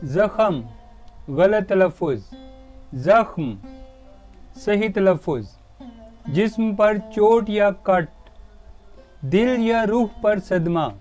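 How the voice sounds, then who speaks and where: A man giving a formal, measured pronunciation lesson, word by word, in a courteous tone. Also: high voice, a little mellow, faint music behind. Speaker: Urdu pronunciation teacher.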